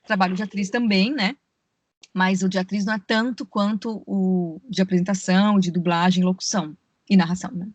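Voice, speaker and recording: A woman's voice: mid-range voice, steady tone, a little fast, no echo, lo-fi sound. A woman, a voice actress and audiobook narrator, explaining her work at length on a podcast call and often saying "né". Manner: explains at length, many fillers like "né" and "assim". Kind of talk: podcast interview over a call. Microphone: remote call.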